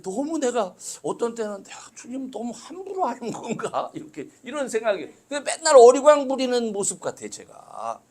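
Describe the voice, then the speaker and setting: A middle-aged man preaching a sermon as pastor, talking to the congregation in a conversational way that swells suddenly loud for emphasis and drops to soft asides. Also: extremely high pitch, huge pitch swings, moderate pace, hardly any pauses. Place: church sanctuary.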